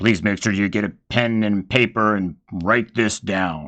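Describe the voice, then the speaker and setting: In a booming, put-on character voice, a man talks at a fairly slow pace and a fairly low pitch against a quiet background. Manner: commanding announcer.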